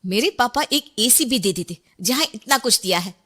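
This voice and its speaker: A woman voicing a spoiled, rude young bride in a cartoon story, talking sarcastically and whining loudly. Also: lively intonation, moderate pace. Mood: angry complaining. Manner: shrill, sarcastic, whiny.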